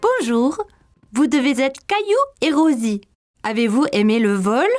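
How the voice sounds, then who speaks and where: A friendly cartoon pilot. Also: female voice, fairly high pitch, sing-song, measured pace, darkish tone, faint music behind.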